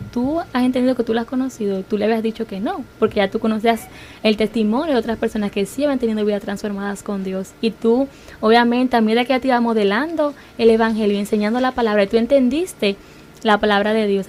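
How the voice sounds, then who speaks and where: A woman's voice: fairly high pitch, darkish tone, a little hiss or hum. A woman co-hosting a radio show, giving earnest, affirming devotional commentary. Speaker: radio co-host.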